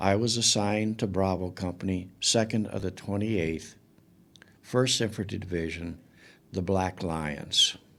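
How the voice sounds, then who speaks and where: Fairly even intonation at a fairly slow pace, in a very clean recording with a silent background. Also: man, very deep, low pitch for a man. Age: 70s. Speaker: war veteran. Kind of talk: testimony. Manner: halting.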